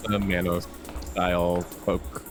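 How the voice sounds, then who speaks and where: A man's voice: deep voice, little pitch movement, slow pace, music in the background. A man chatting casually as a game streamer, commenting on the game with a partner.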